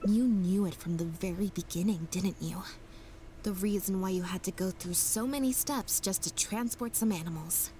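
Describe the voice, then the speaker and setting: A young detective from a video game, voiced by a woman lays out the logic of a crime. Her voice sits in a plain middle register and stays measured and explanatory throughout. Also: medium pitch, warm tone, a little hiss or hum, lightly acted, low-quality recording. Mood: accusing. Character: sharp young woman detective laying out deductions. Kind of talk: game voice acting.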